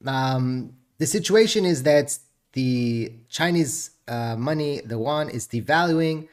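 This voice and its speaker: A man's voice: mid-range voice, lively intonation, slow pace. A man hosting a casual crypto market video, chatty and rambling with jokes, sounding stuffed up. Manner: chatty, rambling, jokey with frequent laughs.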